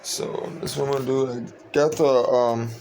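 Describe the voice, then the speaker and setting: A young man talking casually to his viewers at home, sleepy and monotone, rambling with lots of fillers. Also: mid-range voice, moderate pace, slight background noise. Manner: monotone, meandering, frequent fillers. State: tired, sleepy. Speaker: vlogger.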